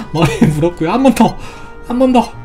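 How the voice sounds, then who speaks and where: Woman gamer, bright high voice, bubbly let's-play commentary with sound effects, faint music under it. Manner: playful, exclamatory, lots of sound effects. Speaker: gaming YouTuber.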